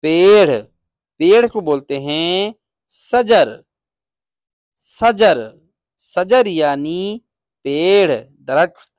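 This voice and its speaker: A man's voice: sits high, animated, drawn-out words, long pauses, dry recording, clean studio sound. A man teaching beginner Arabic phrases, repeating each word and explaining what it means. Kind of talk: beginner language lesson.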